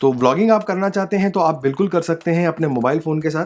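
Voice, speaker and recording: The voice belongs to a man with a fairly high pitch. Ordinary variation runs through it. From India, Mumbai. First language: Tamil (speaking Hindi). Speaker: YouTuber and vlogger. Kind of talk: casual Q&A chat.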